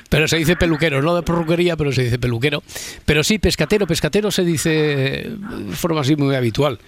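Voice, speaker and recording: A man's voice: on the high side, a little fast. A man hosting a late-night radio talk show in a chatty, eager way, often repeating words. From Spain. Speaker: radio host. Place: radio studio.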